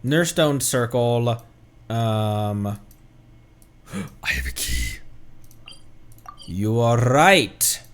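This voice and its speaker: A man's voice: medium pitch, big pitch swings, very slow, pauses often, slight background noise. A man streaming a video game with casual, playful live commentary, reacting and exclaiming as he plays. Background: faint game music.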